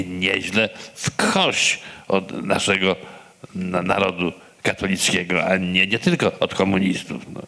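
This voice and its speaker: A man giving halting spontaneous remarks at a public discussion, with a pronounced stammer that repeats syllables. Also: fairly low pitch, gravelly, pushed and bright. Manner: halting, hesitant. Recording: reverberant hall.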